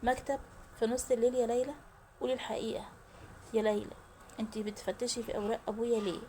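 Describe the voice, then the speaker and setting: A woman's voice: a little high, steady tone, fast talker, warm tone, a little hiss or hum, lightly acted. A woman voicing an angry, mocking grown son with an Egyptian accent, harsh and accusing. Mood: angry, threatening.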